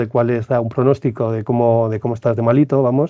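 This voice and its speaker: In a Basque accent, a man talks at a fairly quick pace with fairly even intonation. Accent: Basque Spanish accent, noticeable. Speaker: biotech startup CEO, physicist. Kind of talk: casual interview conversation. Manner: hesitant, many fillers and restarts.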